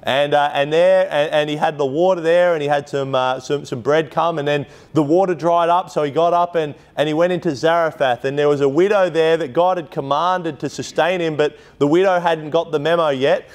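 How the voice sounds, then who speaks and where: Male preacher, slightly high voice, loose conversational sermon delivery with asides. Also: fairly even intonation, brisk, hardly any pauses. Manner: conversational storytelling with frequent asides and restarts.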